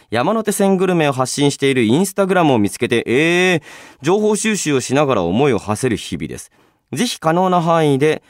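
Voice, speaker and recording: A man hosting a radio show, chatting and reading listener mail in a polite, expressive manner. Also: a little high, no room sound, clean studio sound. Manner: polite, expressive, often breaking into laughter. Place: radio studio. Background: background music.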